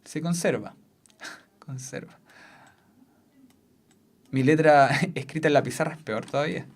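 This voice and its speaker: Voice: medium pitch, fairly quick. Substitute teacher giving a classroom lesson. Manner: repeats key points, checks in with frequent questions, laughs easily. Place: classroom with a whiteboard.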